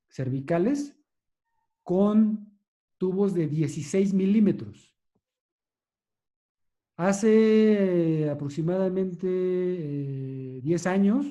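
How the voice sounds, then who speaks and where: A man, a neurosurgeon giving a measured, explanatory lecture and answering questions, with hesitations and restarts. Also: a little high, mellow.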